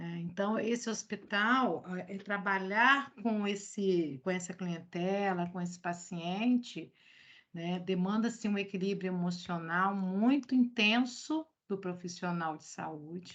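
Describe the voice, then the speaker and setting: A soft-spoken woman at a medium pitch with ordinary pitch variation, speaking at a very slow pace. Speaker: psychology student. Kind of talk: class discussion. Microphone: too quiet for some listeners.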